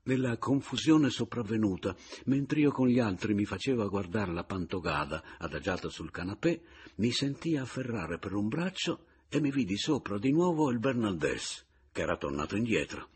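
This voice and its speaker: A man narrating a literary audiobook with an expressive, dramatic reading. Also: on the low side, moderate pace, husky. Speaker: audiobook reader.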